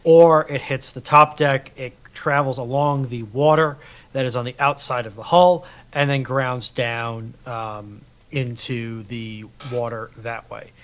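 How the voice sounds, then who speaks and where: A man giving unscripted technical explanations in a measured, halting way, as a panellist on a live stream. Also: medium pitch, steady tone, fairly bright tone.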